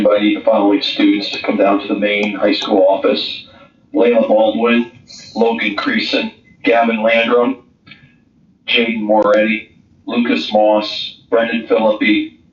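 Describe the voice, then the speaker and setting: A man announcing over a school intercom. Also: lowish voice. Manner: brisk, even announcing tone. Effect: school intercom loudspeaker. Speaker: school office staff making an announcement. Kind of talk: reading a list of names over the intercom. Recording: roomy, distant, muffled loudspeaker.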